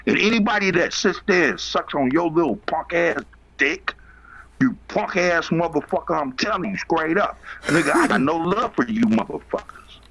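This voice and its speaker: A man's voice: fairly high pitch, fairly bright tone, breathy edge. A man arguing in a heated live-stream debate, aggressive and profane, hammering the same taunts again and again. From United States. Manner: aggressive, profane, taunting, repeats his jabs. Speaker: debate participant. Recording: dull lo-fi stream audio.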